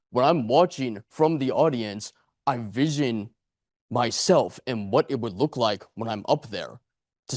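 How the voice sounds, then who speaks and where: Speaking in a mid-range voice, a late-twenties public speaker at a speakers club addresses an audience in a meeting room. His motivational talk is sincere but wandering, full of repeated phrases and questions posed for effect. The audio is studio-clean, without any echo.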